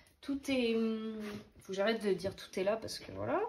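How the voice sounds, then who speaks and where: Noticeable background noise surrounds a woman whose pitch is fairly high. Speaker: tarot reader. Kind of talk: tarot reading. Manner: animated.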